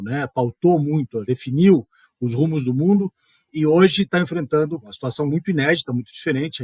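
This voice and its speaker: A man's voice: mid-range voice, slightly rough, dry recording. A middle-aged man from southern Brazil with a southern Brazilian accent, a professor giving political commentary in a thoughtful, hedging way. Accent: southern Brazilian Portuguese. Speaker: history and politics professor, columnist. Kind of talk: video column commentary.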